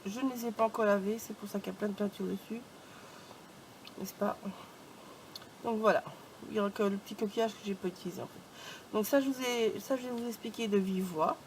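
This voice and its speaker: A craft YouTuber with a medium-pitched voice gives a quick, casual tutorial for her channel, chatting informally and linking her steps with "donc," "voilà," and "hop." The recording is low quality, with slight background noise.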